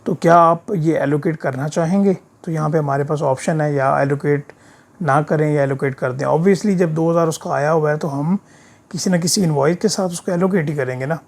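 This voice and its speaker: An accounting software course instructor with a sore throat narrates a screen recording, walking through an informal step-by-step tutorial. His voice is a little high and creaky at normal speed, and he often checks the learner is following with short tag questions.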